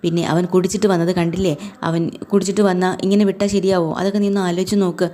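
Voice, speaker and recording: A woman's voice: on the low side, little pitch movement, very fast, mellow, natural voice. A woman voicing a worried middle-aged father who argues with his brother-in-law in a retold serial scene. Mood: insistent.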